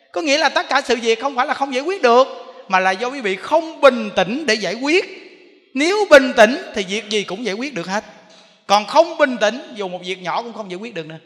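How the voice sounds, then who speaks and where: A Buddhist monk with a Southern Vietnamese accent giving a sermon, telling stories animatedly and laughing with the audience in a temple hall. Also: male voice, very high voice, fairly bright tone. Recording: long reverb in a large hall.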